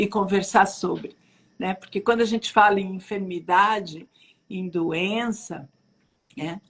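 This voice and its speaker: Her pace fairly slow, a woman talks at a medium pitch. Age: 60s. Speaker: psychologist and cancer survivor hosting a live. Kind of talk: live-stream conversation. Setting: online live stream. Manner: halting, with many repetitions.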